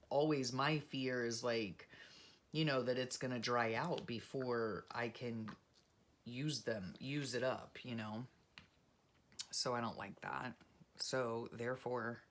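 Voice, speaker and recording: Soft-spoken rambling woman, faint hiss. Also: rumbling low. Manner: soft-spoken, rambling, self-deprecating, many fillers. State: frog in her throat. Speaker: journaling vlogger. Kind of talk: casual rambling chat while crafting.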